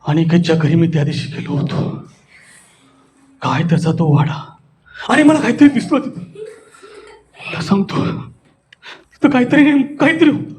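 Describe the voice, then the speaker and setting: Man as a spooked, high-voiced storyteller. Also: monotone, normal speed, darkish tone, slight background noise. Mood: fearful, suspenseful. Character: spooked storyteller recalling something terrifying in an old house.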